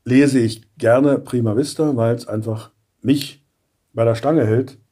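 Older male voice actor guest in his sixties, mellow and husky, lively storyteller who acts out bits. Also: mid-range voice, takes it slowly. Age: 60s. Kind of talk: casual interview chat.

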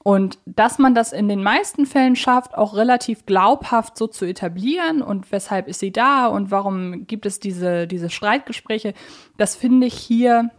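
A woman's voice: mid-range voice, measured pace. A woman co-hosting a podcast, explaining things in an articulate, analytical way in conversation. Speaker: podcast co-host.

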